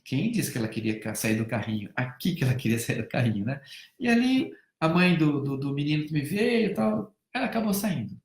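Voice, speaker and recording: A Brazilian man speaking as a family counselor in a live-stream talk, animated, swinging between loud emphasis and soft hushed tones and acting out bits of dialogue as he tells stories. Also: fairly high pitch, fairly quick, reverberant. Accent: Brazilian Portuguese. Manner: acts out dialogue while telling stories.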